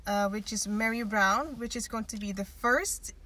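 Podcast guest, woman in her 20s, Dutch first language, bright tone, loose and chatty. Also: fairly high pitch, normal speed. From Netherlands. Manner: chatty, many fillers and restarts. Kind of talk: casual interview chat.

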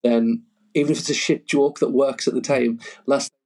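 A comedian chats loosely on a podcast and keeps chuckling through his own anecdotes. His voice is husky and a bit rough. He sits at an ordinary middle pitch. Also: steady tone, moderate pace, a little mellow. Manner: rambling, fillers, laughs at own stories. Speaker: stand-up comedian guest. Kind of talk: casual storytelling chat.

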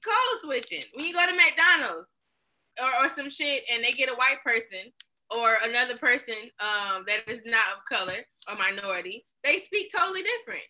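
A woman with an African American accent speaks in a high, strikingly bright and forceful voice. She chats casually and gives her opinions with emphasis, leaning on slang and swearing freely. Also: expressive, normal speed, low-quality recording.

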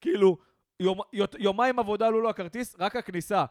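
Animated young man ranting in casual chat. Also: high voice, no echo, studio quality. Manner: animated ranting, acts out quotes. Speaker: podcast co-host.

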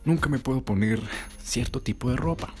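A man's voice: medium pitch, moderate pace, pitched above the performer's own voice, lightly acted. A man voicing a young woman who complains about being judged, in a whiny tone. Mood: complaining. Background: music.

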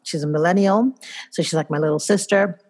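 A Nigerian-accented woman hosts her podcast with an enthusiastic, effusive delivery. Her voice sits a bit low for a woman. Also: a little fast, a little mellow, breathy edge. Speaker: podcast host. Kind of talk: podcast interview hosting.

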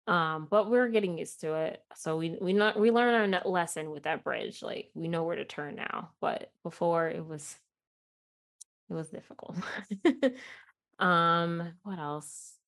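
A young woman from Chicago talks through her podcast in a loose, rambling way, with a mild Midwestern accent. Her voice sits a little low, and she fills gaps with "um" and "like" and laughs at herself often. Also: unhurried, creaky. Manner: chatty, self-deprecating, laughs often, many fillers. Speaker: podcast host. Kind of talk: casual solo podcast chat.

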